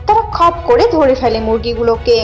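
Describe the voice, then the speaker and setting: High voiced lady reading a cartoon story narration, bit of music behind. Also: lively intonation, brisk, muffled recording.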